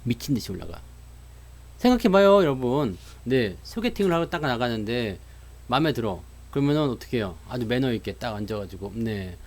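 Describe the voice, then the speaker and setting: A man giving a casual stock market talk, animated, acting out joking quotes and analogies and laughing often mid-sentence. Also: medium pitch, a little fast.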